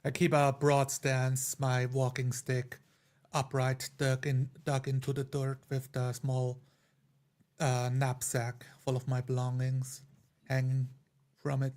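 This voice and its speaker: A man's voice: medium pitch, completely flat delivery, takes it slowly, darkish tone. A man playing a tabletop game, describing his character's actions in the first person.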